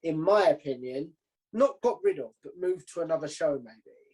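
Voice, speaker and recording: A man's voice: a little high, expressive, normal speed, dark tone, low-quality recording. A man hosting a casual podcast interview, chatting informally, offering his opinions and thinking aloud as he goes.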